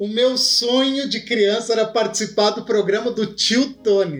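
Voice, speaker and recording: A man speaks at a fairly slow pace with an extremely high pitch. There is noticeable background noise. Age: 40s. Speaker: podcast host. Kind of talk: casual chat.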